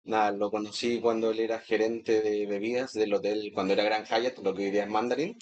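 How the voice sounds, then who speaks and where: A man's voice: lowish voice, little pitch movement, brisk, darkish tone, highs cut off. A Chilean man in his thirties talking casually as a guest sommelier in an interview. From Chile, grew up in Santiago. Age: 30s.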